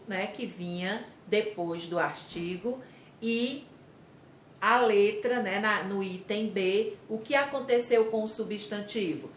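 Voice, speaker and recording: Slow-paced teacher woman in an echoey room. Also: medium pitch, fairly bright tone. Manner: slow, step-by-step explaining, reading aloud and stressing syllables. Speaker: primary school teacher. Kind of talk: recorded remote class lesson. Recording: echoey room with faint insect noise.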